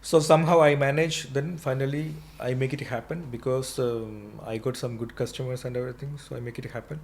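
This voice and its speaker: A man's voice: mid-range voice, fairly even intonation, fairly quick, creaky. A middle-aged man with an Indian accent answering as a guest in a conversational podcast interview, explaining and repeating phrases for emphasis.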